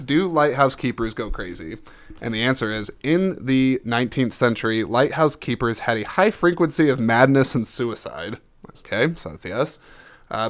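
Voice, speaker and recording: A man chatting casually as a co-host, rambling, restarting his sentences and reading things aloud from web searches. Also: mid-range voice. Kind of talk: casual chat.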